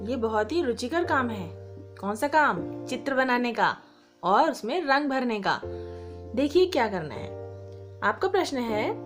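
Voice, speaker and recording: A woman teacher giving a slow, patient primary school Hindi lesson, spelling words out letter by letter. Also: high voice.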